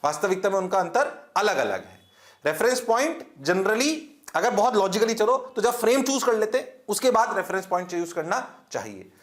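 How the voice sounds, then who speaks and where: Man from India, physics lecture, high-pitched, rapid questions to the class, echoey room. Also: sing-song. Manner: quizzing questions and answering them himself, often in a mock student voice; mixes English terms into Hindi speech, repeats checks for understanding. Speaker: physics teacher.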